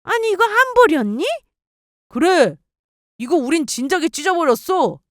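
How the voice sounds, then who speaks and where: A woman voicing a scolding older mother-in-law with a shrill, nagging way of talking. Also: very animated, moderate pace, no echo, clean studio sound.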